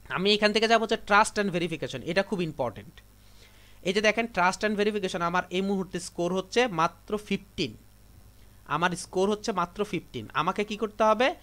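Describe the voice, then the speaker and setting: A man from Bangladesh leads a live computer class, walking his students through repetitive step-by-step instructions. His voice is high and a little bright, and he speaks at a moderate pace.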